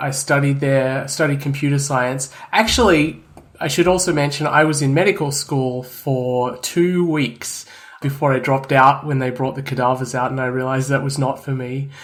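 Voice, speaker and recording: This man speaks with a fairly high pitch and fairly even intonation. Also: moderate pace. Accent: Australian. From Australia. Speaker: software engineer and bitcoin writer. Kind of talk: casual podcast interview.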